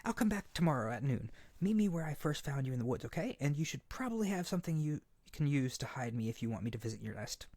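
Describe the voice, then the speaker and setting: Man acting a husky, earnest lovesick harpy boy. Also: fairly high pitch, big pitch swings, fast talker, few pauses, a little mellow. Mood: overjoyed, affectionate. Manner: hesitant, stammering, tender and earnest. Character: earnest lovesick young harpy bird-boy, gentle and insecure. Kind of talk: roleplay audio drama spoken intimately to the listener.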